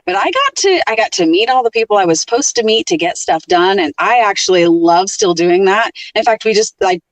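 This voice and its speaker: An animated woman who programs and hosts radio chats casually as a podcast guest. She speaks at an ordinary middle pitch. Her voice is dry and sits slightly back from the microphone. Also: a little fast, no room sound, distant mic, poor audio. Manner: animated storyteller, lively tone. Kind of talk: casual interview chat.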